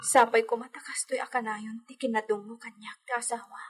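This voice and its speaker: A woman playing a young pregnant lady of a villa, gentle and anxious, asking worried questions. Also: fairly high pitch, level tone, a little fast, slightly rough. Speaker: mistress of the villa. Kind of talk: amateur audio drama acting.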